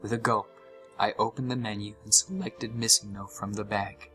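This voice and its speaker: A man's voice: on the low side, steady tone, moderate pace, pushed and bright, soft background music. A young man playing an uneasy gamer who narrates a scripted horror story with dramatic, suspenseful delivery. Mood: disturbed, suspenseful. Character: uneasy young male gamer recounting a haunted game.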